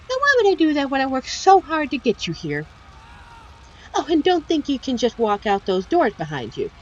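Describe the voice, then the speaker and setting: A woman's voice: high-pitched, highs cut off, exaggerated voice. A woman voicing a seductive, teasing female demon in a scripted ASMR roleplay, speaking with a coy, condescending, theatrical manner.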